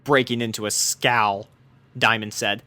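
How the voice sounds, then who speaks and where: A man's voice: lowish voice, steady tone, unhurried, sharp tone. A man reading a fan fiction story aloud as its narrator, in scripted storybook narration. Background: background music.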